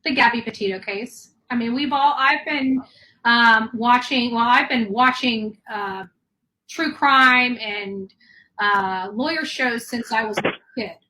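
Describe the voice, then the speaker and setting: A woman's voice: a little high, slow, sharp tone, rough recording. A woman hosting a true crime call-in show, talking at length and often restarting her sentences. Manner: rambling, with many restarts. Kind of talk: live call-in chat.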